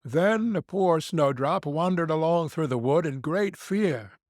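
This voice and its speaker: A man narrating a fairy tale for an audiobook in a measured storytelling manner. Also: on the high side, expressive, darkish tone, dry recording, clean studio sound.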